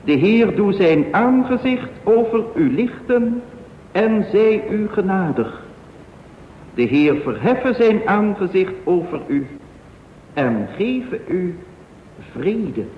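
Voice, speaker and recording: An actor playing a solemn minister in a radio play, giving a slow, declamatory blessing to his congregation. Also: sits high, very animated, exaggerated voice. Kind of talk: sermon benediction in radio play. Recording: reverberant church-like hall, slightly noisy, dull.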